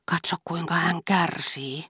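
A woman's voice: low voice, no room sound, clean studio sound, close to an everyday voice. A woman voicing a capricious, teasing young actress in an audiobook, in a coy, mocking manner.

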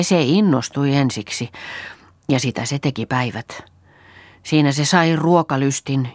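A woman's voice: extremely low pitch, no room sound. A woman reading an audiobook, voicing a weary, plain-spoken country woman who rambles matter-of-factly. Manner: rambling, matter-of-fact storytelling.

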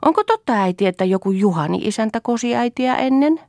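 A woman's voice: rumbling low, no room sound, clean studio sound. A woman reading an audiobook, voicing a playful, teasing young daughter in a mock-innocent manner.

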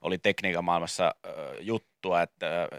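A man's voice: deep voice, fairly even intonation, fairly bright tone, clear, resonant tone, no room sound. A man co-hosting a radio show in a studio, chatting casually and teasing his co-host. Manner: teasing, joking. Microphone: studio microphone.

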